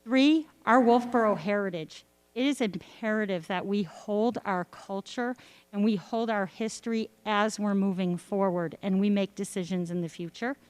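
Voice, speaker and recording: Clear-voiced woman giving a campaign speech. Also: medium pitch, no room sound. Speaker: candidate for town selectman. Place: arts center stage at a candidate forum.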